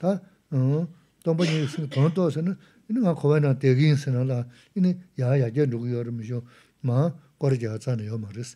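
A man's voice is somewhat breathy, with a dark, mellow tone. He keeps a moderate pace and ordinary pitch variation. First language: Tibetan (speaking Spanish). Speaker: Tibetan Buddhist monk teacher. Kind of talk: Dharma teaching. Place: hall.

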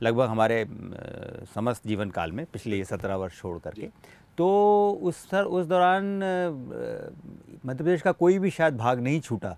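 In a dry sound with no echo, a man with a Tamil accent talks very slowly at a fairly high pitch with very wide pitch swings. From India, Madhya Pradesh. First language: Tamil (speaking Hindi). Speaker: retired senior civil servant; interviewee. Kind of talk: interview. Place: studio.

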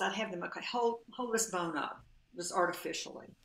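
A woman with a Southern US accent speaks at a fairly high pitch in a bright, sharp tone with lively intonation. The background is quiet, though audible room echo is present. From US South. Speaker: piano technique teacher. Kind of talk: casual interview chat. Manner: halting, with false starts. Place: home room.

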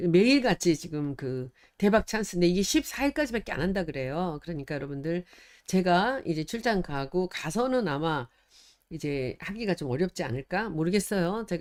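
A woman speaks with a fairly low pitch and very wide pitch swings. The recording is very clean, the background silent. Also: moderate pace. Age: 70s. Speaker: YouTube political commentator. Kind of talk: casual chat and product promotion. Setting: about to leave for the airport.

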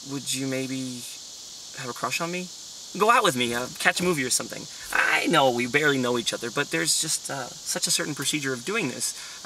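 Dry sound with no echo amid noticeable background noise. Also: man. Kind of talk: comedic monologue. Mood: nervous, awkward, hesitant. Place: car. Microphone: phone near.

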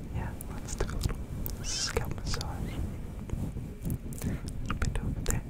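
The speaker is soft-spoken, whispering throughout. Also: man. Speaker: ASMR creator. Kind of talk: ASMR whispered trigger words. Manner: soft close-mic ASMR whisper. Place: home room. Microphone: studio mic.

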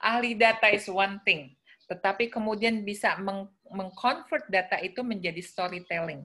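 Against a quiet background, a woman's bright, sharp voice moves at a moderate pace with ordinary pitch variation. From Indonesia, rural village. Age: 50s. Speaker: market research director; guest. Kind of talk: panel talk. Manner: animated. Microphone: video call.

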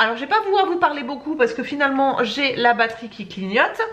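A high-pitched woman's voice with very wide pitch swings and a fairly quick pace. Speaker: beauty vlogger. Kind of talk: casual vlog chat. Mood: busy, a bit overwhelmed. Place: home room.

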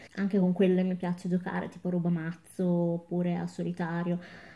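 Somewhat breathy and dark, mellow in tone, a woman talks at a fairly quick pace. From Italy, Ferrara (Emilia-Romagna); Emilia-Romagna, Italy. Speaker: YouTuber; vlogger. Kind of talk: casual vlog chat. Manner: spontaneous, hesitant. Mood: relaxed, chatty. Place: home room. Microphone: webcam.

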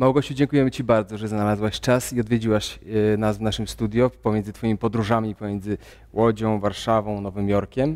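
The background is quiet as a man talks at a fairly quick pace. He has a plain, everyday voice, fairly low in pitch with fairly even intonation. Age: 40s. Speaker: TV talk show host. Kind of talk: talk show interview. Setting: studio. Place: studio. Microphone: lapel.

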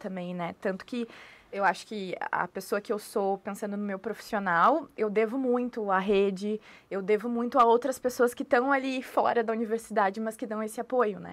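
Her pitch fairly high, a woman speaks at a moderate pace with fairly even intonation. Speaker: podcast co-host, nutrition student. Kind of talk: casual interview. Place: studio. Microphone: studio mic.

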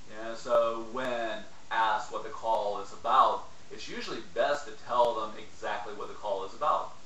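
The speech moves at a moderate pace. Audible room echo and light background noise run through the clip. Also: man. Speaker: sales trainer. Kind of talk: tutorial. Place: home room. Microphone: camera far.

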